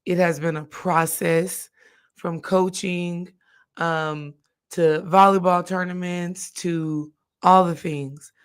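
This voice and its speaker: A woman, hoarse from coaching, chatting casually on a live stream as a spiritual healing coach. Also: on the low side, steady tone, slow pace. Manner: chatty, addresses viewers directly.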